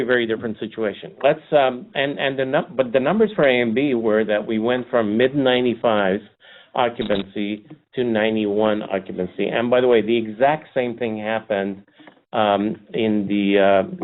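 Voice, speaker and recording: A man answering questions as a company executive on an earnings call, speaking off the cuff with halting restarts, over a narrow phone line. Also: lowish voice.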